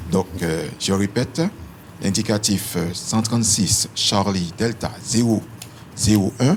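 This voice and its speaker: Over noticeable background noise, a man speaks very slowly in a fairly low pitch with ordinary pitch variation and long, frequent pauses. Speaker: radio operator for an association. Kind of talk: TV interview.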